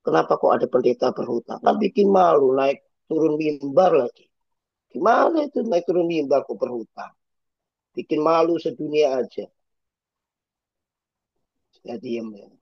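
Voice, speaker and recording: A man preaching as a pastor, in a lively, chatty way full of rhetorical asides. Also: on the high side, unhurried, long pauses, no room sound. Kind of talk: sermon. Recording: dull muffled sound.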